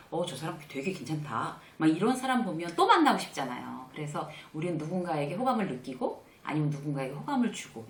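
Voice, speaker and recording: A middle-aged woman hosting a casual spoken lesson on workplace manners, acting out sample greetings as she goes. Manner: lively, acts out sample greetings in a bright higher voice. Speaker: workplace lecturer and channel host. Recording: roomy echoey room.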